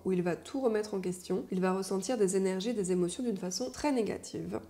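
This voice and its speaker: Chatty French woman, mellow voice. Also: medium pitch. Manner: chatty, thinks aloud with frequent "euh" fillers and lists. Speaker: energy healer reviewing an oracle deck. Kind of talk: casual explanatory review, reading passages aloud.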